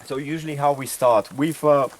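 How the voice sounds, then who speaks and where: A young man from Bulgaria speaking English with a Bulgarian accent, casually showing a visitor around outdoors, relaxed with many fillers and restarts. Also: a little high, moderate pace, a little hiss or hum. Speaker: volunteer giving a tour. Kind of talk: casual explanatory tour. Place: outdoors in a rural garden and field.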